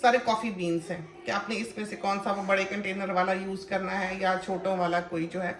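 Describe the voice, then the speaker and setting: A woman's voice: medium pitch, little pitch movement, a little fast, a little hiss or hum. A woman hosting a home cooking channel, chatting casually as she explains and demonstrates a kitchen appliance with lots of fillers. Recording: echoey room with faint ambience.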